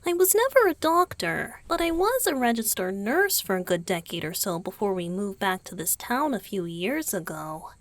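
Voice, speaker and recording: A woman voicing a gentle, teasing male vampire boyfriend in an intimate ASMR roleplay, speaking softly and patiently, often dropping toward a whisper, close to the microphone. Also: mid-range voice, very animated, moderate pace, few pauses, no echo. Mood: casual, reminiscing. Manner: soft, often whispered, patient explaining with small chuckles. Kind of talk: ASMR roleplay, intimate one-sided dialogue to the listener. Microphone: close, dry microphone.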